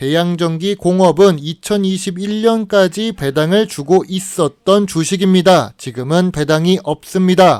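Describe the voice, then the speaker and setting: A man speaks at a fairly slow pace in a high voice with ordinary pitch variation. The recording is very clean, with a silent background. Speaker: dividend stock investing youtuber. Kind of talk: scripted stock analysis narration. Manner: formal, steady, explanatory.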